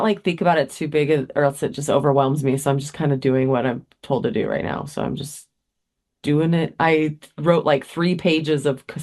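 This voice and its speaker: A woman's voice: low-pitched, a little mellow. A woman co-hosting a podcast in casual chat, laughing often and swearing freely. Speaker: podcast co-host.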